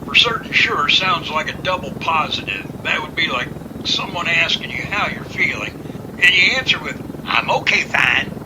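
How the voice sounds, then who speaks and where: A man playing an unruffled, teasing pilot in an amateur radio drama, confident and relaxed in his banter. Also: fairly high pitch, normal speed, noisy background, close to an everyday voice.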